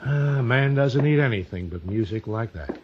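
An actor playing a cold, sardonic American gangster boss, clipped and quietly threatening, in an old radio drama. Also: male voice, mid-range voice, expressive, normal speed, background noise, close to an everyday voice. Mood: curt. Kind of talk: 1950s radio crime drama acting. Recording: dull old radio recording.

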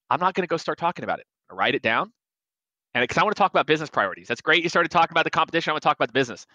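Fast, bright-voiced man in his forties. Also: on the high side, no room sound, poor audio. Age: 40s. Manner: animated, emphatic, acts out quoted lines. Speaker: sales expert guest. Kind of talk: energetic podcast advice.

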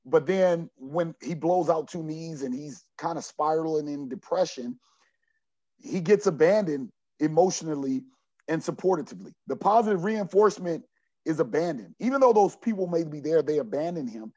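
A man in his forties with a dark, mellow voice talks earnestly as a coach on a podcast. He restarts and repeats words while he gathers his thoughts. The audio is dry and a little muffled. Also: fairly high pitch, lively intonation, moderate pace, dry recording. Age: 40s. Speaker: junior college basketball coach. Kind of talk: podcast interview answer.

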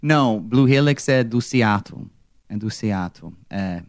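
A young man from California with an American accent, a musician answering interview questions in a second language, pausing and searching for words and slipping into English. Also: fairly low pitch, animated, dry recording, clean studio sound. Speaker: musician guest. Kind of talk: casual interview.

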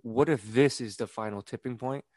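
A man's voice: medium pitch, moderate pace, darkish tone, no room sound, clean studio sound. A young man co-hosting a podcast, chatting casually, agreeable and musing aloud about theories. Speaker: podcast co-host.

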